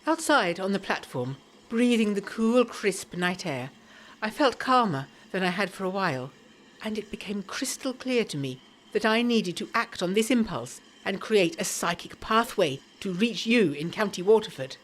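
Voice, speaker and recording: A woman's voice: mid-range voice, moderate pace, lightly acted, rough recording. An actress playing an earnest, anxious young Englishwoman of the 1920s, reading her letter in formal, articulate English tones for a gothic audio drama. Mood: reflective. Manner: formal, articulate, expressive period diction.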